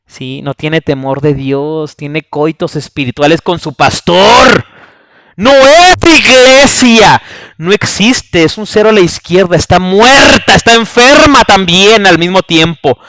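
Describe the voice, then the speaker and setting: A man's voice: a little high, a bit bright, no room sound. A man delivering a blunt, scornful, preachy monologue as a channel host, cursing and tagging his points with rhetorical questions.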